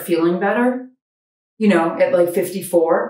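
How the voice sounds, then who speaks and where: A woman at a fairly low pitch and fairly quick pace, with audible room echo and a quiet background. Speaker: comedian. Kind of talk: stand-up comedy monologue. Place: home room.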